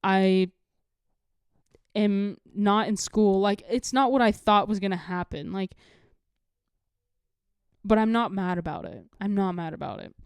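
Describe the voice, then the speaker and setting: A woman's voice: mid-range voice, unhurried, long pauses, smooth, no echo, studio quality. A nineteen-year-old woman hosting a podcast, talking casually and candidly to her viewers in a rambling way peppered with "like". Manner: rambling, heavy use of "like", candid. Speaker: podcast host. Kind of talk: casual confessional solo talk to viewers.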